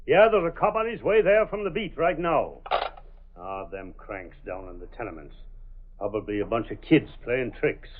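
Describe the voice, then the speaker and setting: Gruff police sergeant voiced by an actor, dismissive and barking, tinny phone-like old radio. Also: male voice, mid-range voice, expressive, normal speed, lightly acted. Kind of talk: 1930s radio drama acting.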